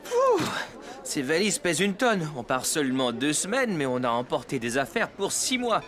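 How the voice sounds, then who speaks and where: Wildly animated cartoon dad. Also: male voice, a little high, normal speed, noisy background. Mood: straining, grumbling. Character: good-natured, easygoing father of small children. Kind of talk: children's cartoon dub.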